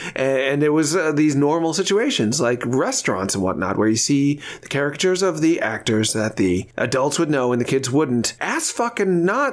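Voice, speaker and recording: A man speaks at a moderate pace in a fairly high voice with very wide pitch swings, very even loudness and hardly any pauses, over noticeable background noise. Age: 40s. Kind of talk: casual chat. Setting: voice call.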